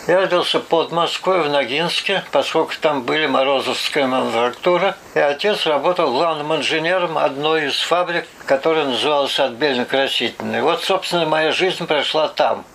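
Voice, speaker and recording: An older man from Russia tells his life story in a rough, gravelly voice that sits a little high for a man. He recalls the past unhurriedly, stopping often to hesitate and find the next detail. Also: fairly bright tone, a little hiss or hum, poor audio. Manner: unhurried recollection with hesitations and "вот" asides. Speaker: interviewee. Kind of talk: oral history reminiscence.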